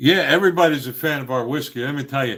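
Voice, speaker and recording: A man with a New Jersey accent and ordinary pitch variation. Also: very clean recording, silent background. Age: 60s. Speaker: gun channel host. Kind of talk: live stream chat reading viewer comments. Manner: casual, many filler words.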